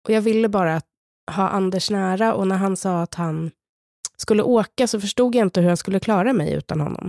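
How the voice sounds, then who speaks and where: Swedish woman podcaster, gravelly low-key voice, slow intimate storytelling, dry close mic. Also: darkish tone, dry recording. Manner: slow, measured, intimate telling in the present tense. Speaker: podcast co-host. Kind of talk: personal storytelling, partly read from a script.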